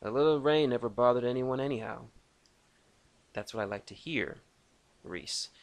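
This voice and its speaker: Brief: a man playing a cocky mercenary leader, brash and teasing, gravelly. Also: medium pitch, moderate pace, no room sound, close to an everyday voice.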